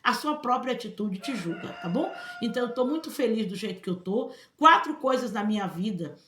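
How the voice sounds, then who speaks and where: A Brazilian woman speaks her mind in an emphatic vlog, her voice sitting a little high for a woman. She keeps pulling the listener in with quick asides and checks. The room gives her voice a noticeable echo. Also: lively intonation, a bit bright, slight background noise. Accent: Brazilian Portuguese. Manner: emphatic, keeps addressing listeners with "gente" and "entendeu?". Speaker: vlogger. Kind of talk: emphatic personal commentary to camera.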